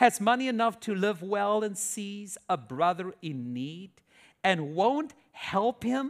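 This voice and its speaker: Over a very clean recording with a silent background, a man with a South African accent swings his pitch very widely. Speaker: pastor. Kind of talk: sermon. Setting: church stage with audience.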